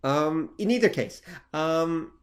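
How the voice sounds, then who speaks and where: A man's voice: fairly high pitch, animated, slow pace. A man co-hosting a podcast, explaining at length in a casual, thoughtful way with plenty of fillers. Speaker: podcast co-host. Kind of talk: casual chat about comic history.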